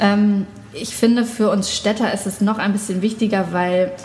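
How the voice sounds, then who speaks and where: A woman's medium-pitched voice with fairly even intonation at a moderate pace, over noticeable background noise. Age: 30s. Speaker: forest bathing guide. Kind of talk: interview. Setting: in person, sitting together.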